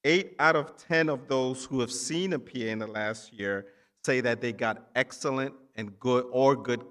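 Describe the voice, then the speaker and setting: A Nigerian-raised physician assistant gives the keynote at a ceremony, speaking to students from the stage of a large indoor hall. His mid-pitched, fairly bright voice delivers emphatic, encouraging phrases separated by short pauses, and the hall adds a long reverb.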